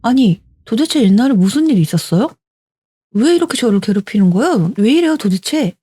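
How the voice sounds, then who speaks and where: A woman's voice: on the high side, big pitch swings, a little fast, mellow, breathy edge, no echo, studio quality, voice pushed up. A woman doing a furious young woman passenger. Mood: angry. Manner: scolding, indignant. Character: young female student, frightened and furious.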